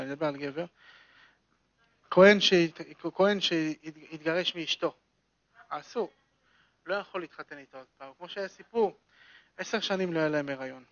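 Guy giving a torah class, pretty high voice, repeats himself for emphasis, dull dry recording. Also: no room sound. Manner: emphatic storytelling with repetition. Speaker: religious teacher. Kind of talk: Torah lesson to a small group.

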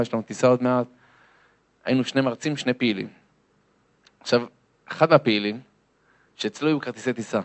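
A man, a lecturer, telling a comic story to an audience and acting out the voices and sounds in it. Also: mid-range voice.

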